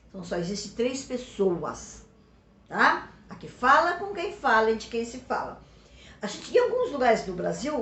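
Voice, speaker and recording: Patient Brazilian woman teaching, echoey room. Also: fairly high pitch. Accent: Brazilian Portuguese. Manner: patient, with frequent checks like "tá?" and "ok?"; stretches out example words slowly. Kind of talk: recorded remote school lesson.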